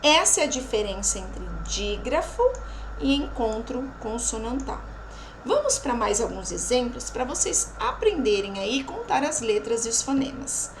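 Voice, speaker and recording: High, lively woman teacher speaking slowly. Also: noisy background. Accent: Brazilian Portuguese. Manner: slow, drawn-out pronunciation of example words; frequent checking tags after each point. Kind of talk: recorded remote lesson.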